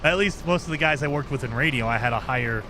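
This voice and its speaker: A man streaming a game live, chatting casually and reading viewer comments, with a voice he calls high-pitched for a man. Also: quick pace, noisy background. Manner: chatty, lively, self-deprecating.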